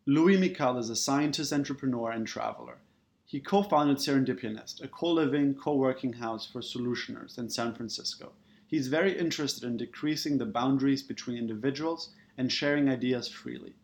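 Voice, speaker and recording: Man with a gravelly voice, scripted intro, measured read. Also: medium pitch. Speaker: show introducer.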